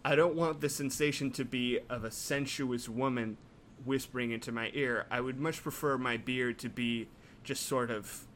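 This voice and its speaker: Brief: mid-pitched man, rambling, mock-outraged banter. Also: fairly even intonation, normal speed, a bit bright, a little hiss or hum. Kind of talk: casual comedic chat.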